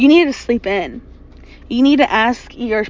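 This woman has an American accent. She speaks at a moderate pace. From Virginia, US South. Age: 20s. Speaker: podcast host and spiritual reader. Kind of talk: casual monologue.

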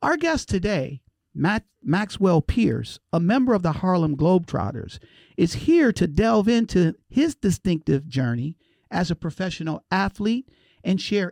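A high-pitched man with an American accent and very wide pitch swings, at a fairly slow pace, dry and close with no echo, on a very clean recording with a silent background. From Detroit. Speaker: podcast host. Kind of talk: interview; scripted intro and outro. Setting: studio.

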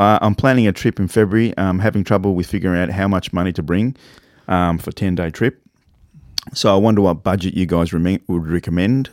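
In an Australian accent, a man with a very deep, low pitch speaks at a fairly quick pace with ordinary pitch variation, the sound dry and close with no echo. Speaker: podcast co-host. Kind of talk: casual chat.

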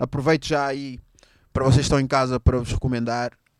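A man with a fairly high voice talks at a fairly quick pace, and the sound is dry and close with no echo. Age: 30s. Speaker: podcast host. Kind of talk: casual interview.

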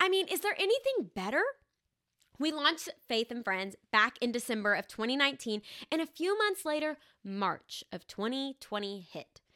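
On a very clean recording with a silent background and a dry, close sound with no echo, a woman with an American accent uses a raised, projected voice at a moderate pace, her high pitch making very wide swings and her tone bright, sharp and animated. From Arkansas. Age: 20s. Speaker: podcast host. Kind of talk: solo testimony.

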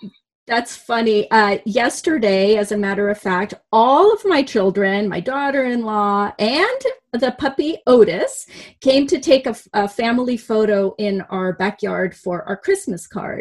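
The speaker has a plain, everyday voice and talks at a fairly slow pace with ordinary pitch variation. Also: woman, fairly high pitch for a woman. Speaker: podcast host. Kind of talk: casual interview chat.

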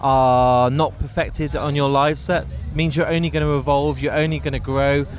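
A man with an English accent, monotone and flat, over noticeable background noise. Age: 40s. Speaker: podcast host. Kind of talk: casual interview. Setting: backstage at a festival.

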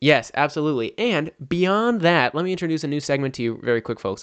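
A man with an American accent, fairly high pitch and a fairly quick pace, against a quiet background. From Minnesota. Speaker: podcast co-host. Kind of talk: casual chat. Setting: remote recording.

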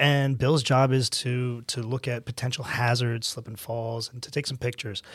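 A man's somewhat breathy, medium-pitched voice with monotone, flat intonation, big swings in loudness, a moderate pace and hardly any pauses. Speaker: insurance agent. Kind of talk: casual interview.

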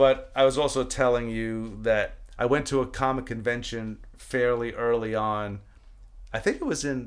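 Using an unremarkable speaking voice, a man of medium pitch with an American accent talks at a moderate pace. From US, Brooklyn, New York. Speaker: podcast co-host, musician. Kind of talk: casual chat.

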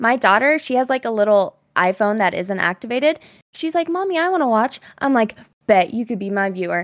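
A woman with a General American accent talks at a fairly quick pace in a bubbly tone. Her pitch swings very widely. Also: fairly high pitch for a woman. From Colorado. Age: 20s. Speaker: streamer and stay-at-home mom. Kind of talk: casual interview chat.

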